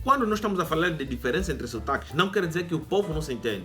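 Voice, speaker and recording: The speaker's intonation moves in a lively way. Music can be heard behind it. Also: man. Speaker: YouTuber. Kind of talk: educational talk to camera.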